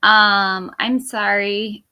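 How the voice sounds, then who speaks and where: A woman's voice: mid-range voice, steady tone, extremely slow, clean tone, dull audio. A tipsy woman hosting a casual livestream tarot reading, rambling with fillers and laughing as she talks. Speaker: tarot reader and livestream host.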